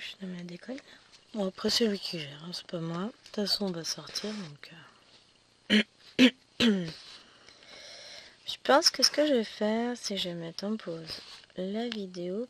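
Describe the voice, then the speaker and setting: Slightly hoarse woman rambling while she stitches, half whispering, noisy background. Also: medium pitch. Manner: chatty, self-correcting, often drops to a whisper. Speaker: cross-stitch vlogger. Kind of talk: casual chat while stitching.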